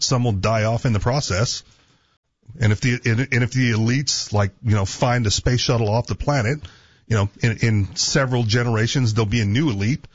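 A male radio host with a husky, raspy voice and a nagging cough, talking casually in banter and jumping in to interrupt. The sound is dry and dull, like lo-fi broadcast audio. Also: mid-range voice, dry recording. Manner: interrupts with repeated "wait a minute". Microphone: studio microphone.

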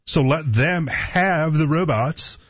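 A man co-hosting a casual talk show, sarcastic and teasing, with a raspy, parched voice. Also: fairly high pitch, slow pace, a bit bright, no echo. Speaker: co-host. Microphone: studio microphone. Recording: dull lo-fi sound.

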